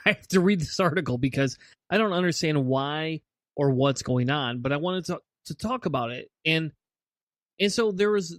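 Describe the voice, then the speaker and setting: A man's voice: fairly high pitch, dry recording, clean studio sound. A man co-hosting a podcast in casual chat, earnest and often restarting his sentences with repeated words. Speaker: podcast co-host.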